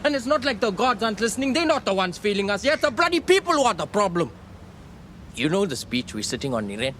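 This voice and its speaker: A grumbling high-voiced older fisherman. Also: big pitch swings, fast, fairly bright tone, slight background noise. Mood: bitter, indignant. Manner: sweary, grumbling, world-weary. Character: bitter older Indian fisherman father lecturing his son. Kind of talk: radio play monologue.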